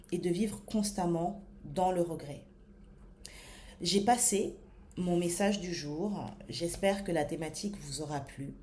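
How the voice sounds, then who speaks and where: A French woman in her thirties talks straight to her viewers as a body-image coach. Her voice sits a little low, and she speaks slowly and deliberately, pausing often with fillers as she searches for words. Faint room ambience hums behind her. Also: warm tone, a little hiss or hum. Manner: many hesitations and fillers. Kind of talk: motivational talk to camera.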